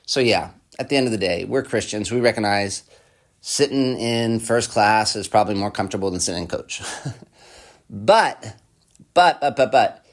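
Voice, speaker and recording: A man's voice: on the low side, animated, normal speed. A man preaching a sermon in a conversational way, asking the listener repeated questions and reading quotes aloud. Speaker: pastor.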